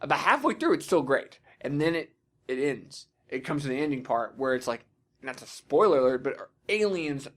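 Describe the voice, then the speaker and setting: A man's voice: mid-range voice, sing-song, moderate pace. A man hosting a casual video game podcast, chatting in an opinionated way and swearing freely. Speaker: podcast host.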